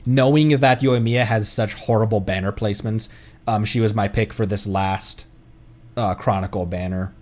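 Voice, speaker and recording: A man's voice: lowish voice, steady tone, normal speed, a little mellow. A man who streams games as a VTuber, chatting casually and rambling as he thinks aloud. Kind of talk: casual livestream chat while gaming.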